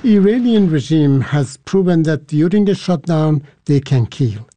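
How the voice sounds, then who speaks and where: A man speaking in a recorded interview clip, his voice altered by a disguising filter, making firm, measured statements. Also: fairly high pitch, animated, mellow. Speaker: smuggler interviewed anonymously.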